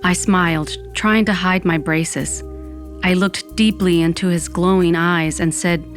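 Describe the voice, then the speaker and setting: A woman's voice: on the low side, steady tone, a little slow, soft background music, natural voice. A woman playing a dramatic, dreamy young Latina who narrates her own story in an audio drama. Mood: wistful. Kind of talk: first-person scripted audio fiction narration.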